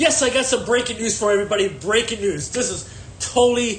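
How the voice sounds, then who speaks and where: Loud and animated, a man's voice comes through noticeable background noise and audible room echo. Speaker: podcast host. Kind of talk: rant monologue.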